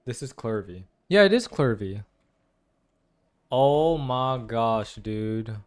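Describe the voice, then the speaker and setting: A man's voice: mid-range voice, expressive, takes it slowly, smooth. A young man giving casual, slangy gaming commentary with lots of exclamations. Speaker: game streamer reacting to a story quest.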